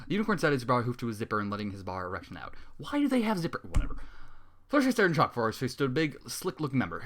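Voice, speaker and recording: A man reads a fan story aloud at a quick clip, his pitch swinging up and down. He keeps stopping to vent in exasperation, swearing openly between passages. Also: fairly bright tone. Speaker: story reader. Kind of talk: dramatic reading with exasperated commentary.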